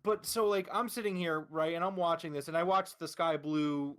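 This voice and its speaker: A man's voice: fairly high pitch, moderate pace, fairly bright tone. A man hosting a podcast, talking casually and emphatically about wrestling with strong opinions and frequent swearing. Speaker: podcast host.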